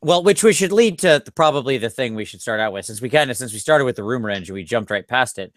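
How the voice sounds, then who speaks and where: A man hosting a casual tabletop gaming podcast, tired after a long day and talking in an animated, self-deprecating ramble. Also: medium pitch, quick pace, no echo, studio quality. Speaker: podcast host. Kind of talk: casual chat.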